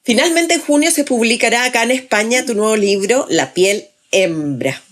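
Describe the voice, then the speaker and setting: A woman host interviewing a guest, asking calm and curious questions. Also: on the high side, normal speed.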